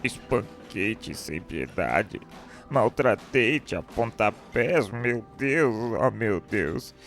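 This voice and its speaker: A man's voice: on the low side, lively intonation, a bit bright, soft background music, heavily acted. An actor playing a tormented, remorseful man confessing to murder and suicide in anguished, declamatory radio drama style. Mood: anguished despair. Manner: anguished, declamatory, drawn-out delivery.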